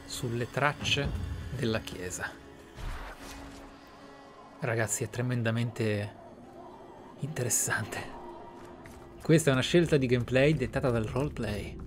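A man giving roleplay game commentary in a theatrical, pensive manner with murmured asides. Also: medium pitch. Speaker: video game player and narrator. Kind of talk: roleplay let's play commentary, in-character musing and reading aloud. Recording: clear background noise, game ambience. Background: video game ambience.

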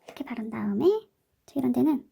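A woman's voice: on the high side, quick pace, creaky, warm tone, breathy edge. A woman hosting a craft tutorial, chatting playfully and adding cute sound words as she works. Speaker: slime and clay craft channel host. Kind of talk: casual craft tutorial narration.

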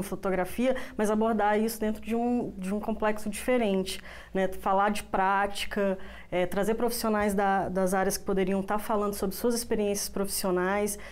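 A woman's voice: mid-range voice, a little mellow, smooth. A woman in her thirties from Brazil, a project coordinator answering questions in a TV studio interview, talking casually with fillers and restarts. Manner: casual, fillers and restarts, uses "a gente vai tá". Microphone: lapel mic.

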